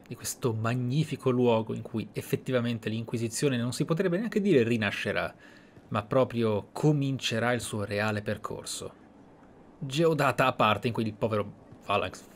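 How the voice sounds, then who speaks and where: A man's voice: mid-range voice, slight background noise. A man giving reflective, explanatory commentary as he streams a roleplay game. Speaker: gaming streamer and host.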